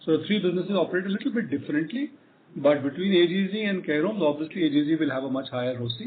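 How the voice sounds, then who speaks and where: A narrow, faintly noisy phone line carries a fairly high-voiced man with an Indian accent. He speaks as an executive on a conference call, explaining off the cuff and punctuating points with "right" and "you know". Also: lively intonation, fast talker. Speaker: company executive answering investor questions.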